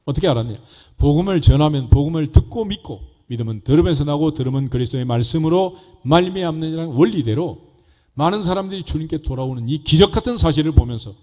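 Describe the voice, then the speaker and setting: Korean pastor preaching in a dark hall. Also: male voice, a little high. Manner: expository preaching, slow solemn scripture reading with rising emphasis. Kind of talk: sermon. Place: church sanctuary. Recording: dull echoey church hall.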